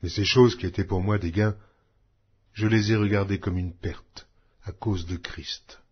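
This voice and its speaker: Low raspy guy reading the bible, solemn and measured, kinda muffled lo-fi audio. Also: steady tone. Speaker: Bible narrator. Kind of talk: solemn scripted scripture reading. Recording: dull, lo-fi audio.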